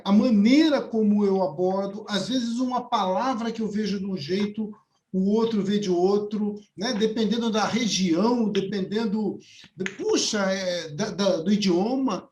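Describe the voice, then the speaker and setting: A man's voice: sits high, darkish tone. Hesitant man in an echoey room. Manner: hesitant, many restarts and tag questions. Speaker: study group participant. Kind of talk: casual group discussion.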